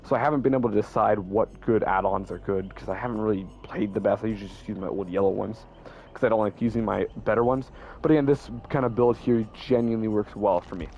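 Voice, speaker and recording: A man's voice: on the low side, steady tone, quick pace, a little mellow, lo-fi sound, a little hiss or hum. A young man casually explaining his game builds as a YouTuber, rambling and correcting himself as he goes. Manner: rambling, self-correcting, stutters. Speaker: gaming YouTuber.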